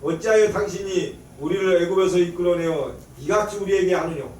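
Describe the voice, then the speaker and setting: A man from the congregation reading scripture aloud at a steady pace. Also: high-pitched, brisk. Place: church sanctuary. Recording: echoey church from far off, faint noise.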